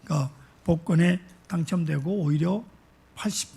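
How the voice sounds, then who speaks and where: A male pastor delivering a slow, emphatic sermon to his congregation, asking rhetorical questions. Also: fairly high pitch, vocal fry, warm tone, breathy edge.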